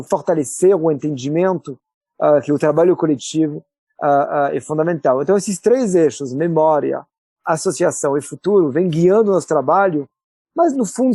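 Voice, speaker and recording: French guy talking slow and thoughtful, lots of ahs, warm dry voice. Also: fairly high pitch, no echo. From France. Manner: thoughtful, many filler "ah" hesitations. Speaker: guest, cultural center director. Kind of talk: podcast interview.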